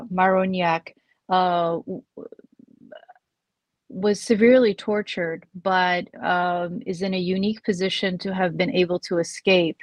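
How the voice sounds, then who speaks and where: Soft-spoken woman hosting an interview. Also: fairly low pitch, no room sound. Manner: measured, hesitant with many fillers. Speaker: podcast host.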